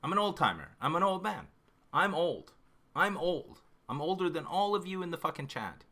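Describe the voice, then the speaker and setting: A man's voice: on the high side, big pitch swings, normal speed, bright, forceful tone. A fifty-year-old man from Canada chatting casually with his stream viewers, rambling, cutting himself off and swearing constantly. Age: 50s. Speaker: livestream host.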